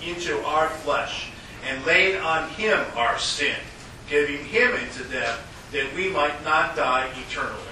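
A man leading a worship service as pastor, intoning prayers and liturgy in a measured, solemn way, with a cathedral echo around his voice. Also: on the high side. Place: large church sanctuary. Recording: echoey church, mic from far off, noisy.

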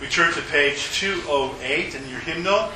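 A man leading a worship service as pastor, intoning prayers and liturgy in a measured, solemn way, with a cathedral echo around his voice. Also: fairly high pitch, music in the background. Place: large church sanctuary. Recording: echoey church, mic from far off, noisy.

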